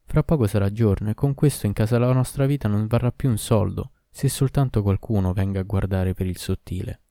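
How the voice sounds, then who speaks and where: A man doing a sharp-tongued scolding wife. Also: lowish voice, a little fast, no room sound, studio quality, natural voice. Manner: scolding, reproachful.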